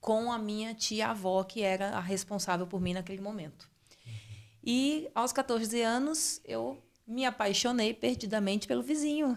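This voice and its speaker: A woman's normal speaking voice, fairly high in pitch, with lively intonation. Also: moderate pace. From Brazilian Northeast, Recife, Pernambuco, then moved around Brazil including Goiânia. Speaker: special education school director. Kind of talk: interview, life story.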